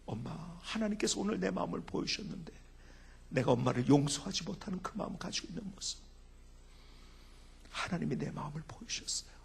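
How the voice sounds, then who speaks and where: A middle-aged man preaching at a revival meeting, telling a personal story and swinging from hushed whispers to loud, impassioned cries. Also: a little high, expressive, brisk, gravelly, long pauses, slight background noise. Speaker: pastor. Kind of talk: revival sermon.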